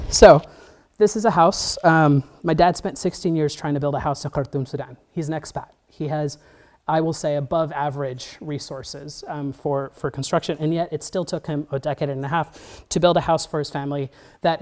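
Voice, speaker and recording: A man in his thirties giving an academic design lecture, earnest and halting, with frequent restarts and fillers. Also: fairly high pitch, darkish tone. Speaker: architecture lecturer.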